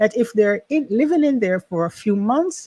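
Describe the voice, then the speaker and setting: A woman's medium-pitched voice is somewhat breathy and dark, mellow in tone, with lively intonation. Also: dry, close sound with no echo. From Jamaica. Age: 50s. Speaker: talk show host. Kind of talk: casual talk to audience. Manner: repetitive stammering.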